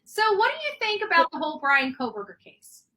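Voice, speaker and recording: A woman with a high voice hosts a live true crime call-in show. She has a bright, forceful tone and rambles, restarting her sentences often. She sounds like someone who talks with callers on air. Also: sing-song, a little fast.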